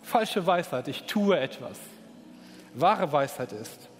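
A man preaching a sermon with emphatic, rising delivery that swings between quiet stretches and excited peaks. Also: a little high, slow pace, faint music behind. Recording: reverberant hall.

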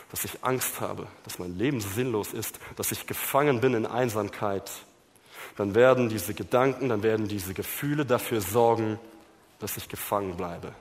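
A man preaching a sermon, swinging between loud emphasis and hushed, low passages. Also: in a large hall. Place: church hall.

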